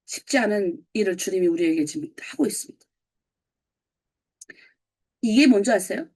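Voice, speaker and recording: A middle-aged woman pastor from North Korea with a North Korean accent, giving a lively morning sermon and putting questions to her congregation. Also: mid-range voice, normal speed. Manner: lively, asks the congregation questions and answers them. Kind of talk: early-morning sermon lecture.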